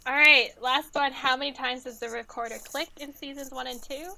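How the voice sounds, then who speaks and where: A woman's voice: high-pitched, steady tone, fairly quick, creaky, sharp tone, slight background noise, low-quality recording. A woman reading out quiz questions and answers and explaining them in a casual way. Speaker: quiz reader, podcast crew member. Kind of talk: casual trivia hosting and explanation.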